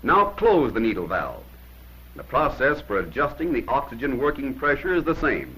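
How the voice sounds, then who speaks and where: A man narrates in the style of a 1950s instructional film. His voice swings widely in pitch and has a husky edge. He gives short, plain-spoken instructions with firm emphasis, captured on an old film soundtrack. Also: sing-song, normal speed, sharp tone, poor audio.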